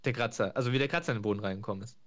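Man, podcast host, relaxed chat, laughs a lot, middle-range voice. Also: medium pitch, very fast. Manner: laughs often, acts out quotes lightly. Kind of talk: casual chat retelling sitcom scenes.

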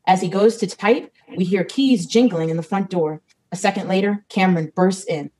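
Woman narrator, stage directions, matter-of-fact, mellow dark tone, mid pitch. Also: normal speed, low-quality recording.

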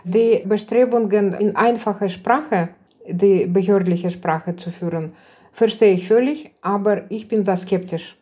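Mellow-voiced middle-aged woman guest. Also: mid-range voice. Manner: thoughtful, measured, frequent hesitations. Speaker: guest, social worker. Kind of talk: casual conversation.

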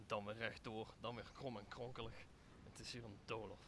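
A young man playing a weary, gentle old man with aching bones in an audio drama. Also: fairly low pitch, flat delivery, normal speed, noisy background, close to an everyday voice. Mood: exhausted. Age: young adult. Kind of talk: Dutch audio drama of Shakespeare.

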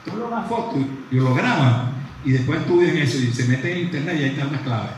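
A man gives a live lecture in a large room, his fairly high voice caught from a distance by a room mic. The hall rings with strong echo, and a faint hiss sits underneath. He talks in a lively, conversational way and keeps asking the audience questions. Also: quick pace. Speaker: psychologist lecturing dentists. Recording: very echoey hall from far off, faint noise.

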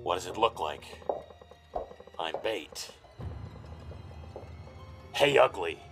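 An actor playing a defiant, weary private eye in a noir audio drama, wry and terse. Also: male voice, deep voice, expressive, very slow, gravelly, loud music behind the voice, heavily acted. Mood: wry resignation. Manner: wry, terse, hard-boiled.

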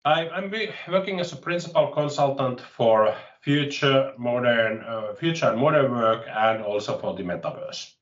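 A man's voice: mid-range voice, lively intonation, highs cut off. Hesitant Finnish man, distant and roomy. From Finland. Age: late 40s. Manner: halting, restarts phrases often, wry self-mocking. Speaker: interview guest, tech consultant. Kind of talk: casual interview chat.

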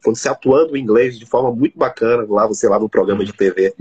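Fast-talking husky Brazilian man. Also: fairly low pitch, darkish tone, muffled recording. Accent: Brazilian Portuguese. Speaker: live-stream co-host. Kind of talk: casual live chat.

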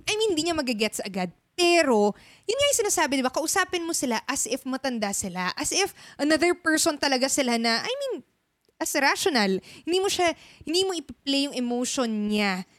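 A woman's voice: high-pitched, very animated, a little fast, fairly bright tone, no echo. A young woman with a Filipino accent, telling a story in casual chat and mixing in English words.

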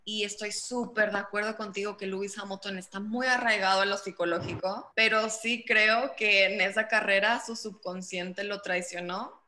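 A woman hosting a podcast in casual interview chat, chatty and quick to agree. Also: mid-range voice, steady tone, bright, forceful tone, reverberant. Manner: chatty, frequent agreeing backchannels and laughs. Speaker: podcast host.

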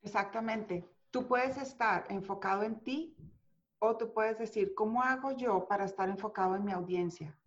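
A woman guest speaking about charisma, emphatic and deliberate, counting off her points. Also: fairly high pitch. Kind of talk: motivational interview talk. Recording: slightly dull lo-fi sound.

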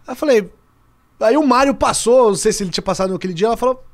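A Brazilian man in his thirties, a sports journalist guest on a podcast, telling stories in a lively, casual way and swearing freely. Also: extremely high pitch, racing. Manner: lively storyteller, swears casually, acts out dialogue.

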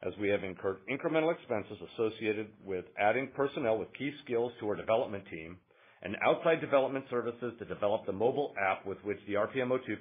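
A man in the role of a company finance executive reads a scripted financial report in a formal, measured way. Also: fairly low pitch, slightly rough. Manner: formal, measured reading of figures. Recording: muffled, narrow phone-line conference audio.

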